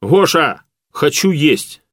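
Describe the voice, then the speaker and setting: A man voicing a brash young man who talks loudly in blunt slang. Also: on the high side, sing-song, slow, voice pushed up. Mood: indignant. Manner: loud slangy banter.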